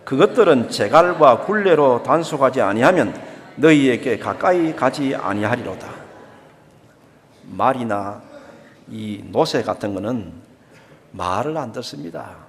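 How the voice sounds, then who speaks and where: Older Gyeongsang pastor with lively pitch. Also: male voice, measured pace. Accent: Gyeongsang Korean. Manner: emphatic, repeats key phrases, acts out everyday speech. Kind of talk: sermon. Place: church sanctuary. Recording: long church reverb.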